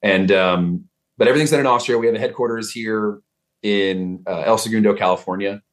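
A man's voice: fairly low pitch, brisk. A man from Texas, a bartender guest on a podcast, talking easily with frequent fillers. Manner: easygoing, talkative, frequent fillers. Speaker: guest, vodka brand bartender. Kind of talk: casual chat.

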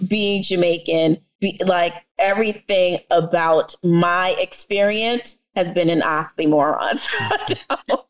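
A woman's voice: on the low side, unhurried, muffled recording. A woman from the Bronx with a New York accent, a podcast guest chatting casually, laughing often and talking in long winding sentences. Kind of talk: casual conversation.

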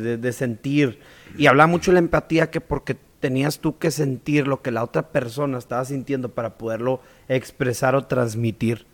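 A man with a Mexican accent hosting a casual interview, asking relaxed, curious questions. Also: medium pitch. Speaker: podcast host.

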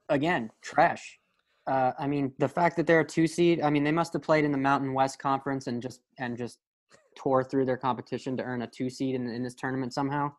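A man co-hosting a casual podcast, making harsh, exaggerated put-downs. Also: medium pitch. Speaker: podcast co-host.

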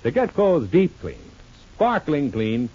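Old-time radio announcer, a lively man. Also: on the high side, slow, slightly rough. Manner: emphatic, selling. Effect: old radio broadcast. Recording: dull lo-fi old radio recording, faint music.

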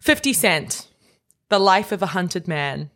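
A young adult woman co-hosting a podcast in casual, playful chat, wry and quick to laugh. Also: on the low side, lively intonation, a bit bright. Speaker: podcast co-host.

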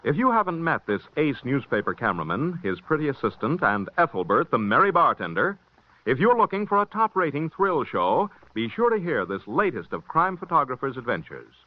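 A man's voice: mid-range voice, very animated, fairly quick. A man making an upbeat promotional announcement in classic 1950s network radio style. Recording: dull vintage radio broadcast with music.

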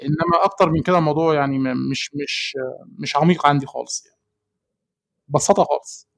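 A young Egyptian man speaks with an Egyptian Arabic accent as a podcast guest, rushing along very quickly in a somewhat high voice. He is easygoing and reflective and sometimes searches for the right word. The sound is dry and close. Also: vocal fry, no echo. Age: young adult. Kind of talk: casual podcast conversation.

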